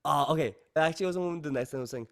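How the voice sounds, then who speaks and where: A man hosting a casual podcast, asking excitable, rambling questions of his guest. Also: on the high side, very fast. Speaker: podcast host. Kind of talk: casual interview chat.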